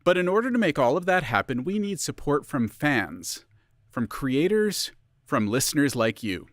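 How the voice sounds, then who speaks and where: A man's voice: fairly high pitch, very animated, moderate pace, no room sound, studio quality. A man reading a scripted promotional appeal as a festival announcer.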